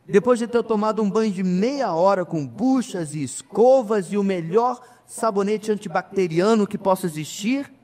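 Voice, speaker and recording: A man preaching a sermon as pastor, addressing the congregation as brothers, emphatic with slow pauses. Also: sits high, darkish tone. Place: church. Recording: reverberant church hall.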